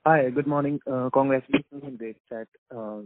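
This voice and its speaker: Male analyst caller, mid-range pitch, hesitant and groping for words, narrow telephone band. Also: steady tone. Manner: halting, searching for words. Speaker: investment analyst asking questions. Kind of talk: question on an earnings call. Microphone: phone. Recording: dry, tinny phone line.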